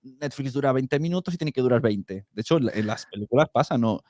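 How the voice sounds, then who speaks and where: A man's voice: mid-range voice, expressive, fast, darkish tone, no room sound, clean studio sound. A man with a Castilian accent from Spain chats informally on a podcast, acting out little imagined remarks to make his points. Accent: Castilian Spanish from Spain. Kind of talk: casual podcast conversation.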